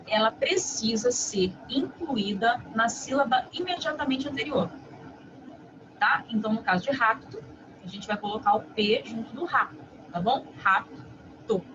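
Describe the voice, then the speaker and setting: Didactic woman teacher, muffled recording. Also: on the high side. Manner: didactic, constantly checks understanding with tag questions. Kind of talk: online lesson. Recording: muffled with steady background noise.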